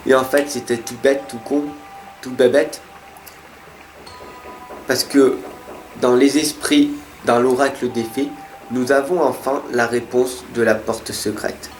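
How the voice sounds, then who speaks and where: A man's voice: medium pitch, fairly even intonation, slow, pauses often. A man giving weekly card-reading guidance, speaking earnestly and encouragingly straight to the listener. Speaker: card reader. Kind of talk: weekly tarot guidance talk. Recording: echoey room with faint music.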